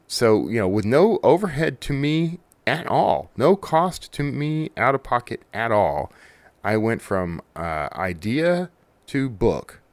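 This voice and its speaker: A man's voice: sits low, no echo. A man hosting a podcast, talking in a casual, conversational monologue that wanders into asides. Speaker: podcast host; author.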